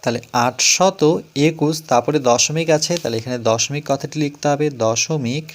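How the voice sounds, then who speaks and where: A man with a slightly high voice teaches a school math lesson step by step, slowly repeating the numbers. He poses questions to the students and then answers them himself.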